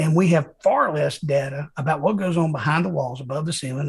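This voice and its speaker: With an American accent, a man talks at a fairly quick pace. His fairly high, somewhat breathy voice keeps a fairly even intonation. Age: 60s. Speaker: Revit MEP expert; guest. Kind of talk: tutorial demonstration; interview answer. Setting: live video stream. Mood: earnest, instructive. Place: home room. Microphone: webcam.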